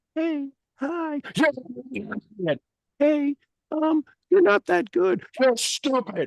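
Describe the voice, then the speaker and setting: In a put-on character voice pitched high, the speaker goes at a very slow pace with long, frequent pauses. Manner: mean, belittling.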